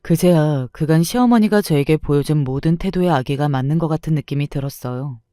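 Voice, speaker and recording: A woman's voice: deep voice, a little fast, dark tone, dry recording, studio quality. A woman in her sixties narrating her own story in the first person, in a confiding, reflective tone. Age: 60s.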